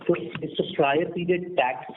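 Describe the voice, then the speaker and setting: A man's voice: on the high side, moderate pace. A male finance executive answering financial questions on an earnings call. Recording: noisy narrowband phone line.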